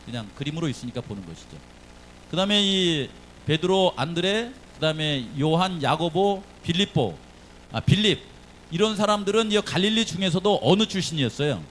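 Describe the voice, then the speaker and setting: Male pastor, fairly high-pitched, giving a chatty, question-filled sermon in a church with faint background noise. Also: fairly bright tone, rough recording. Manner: conversational, asks the congregation questions. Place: church sanctuary.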